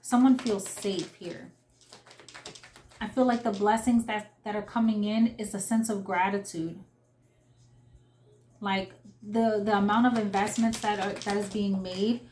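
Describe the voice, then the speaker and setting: A woman's voice: mid-range voice, steady tone, unhurried, long pauses, a little mellow, reverberant, slight background noise. A young adult woman giving a casual spoken tarot reading, earnest and emotional, with many fillers and restarts. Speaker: tarot reader.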